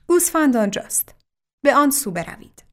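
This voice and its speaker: A woman's voice: sits high, big pitch swings. A woman reading a story voices a revered male imam who speaks firmly and commandingly. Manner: firm and commanding.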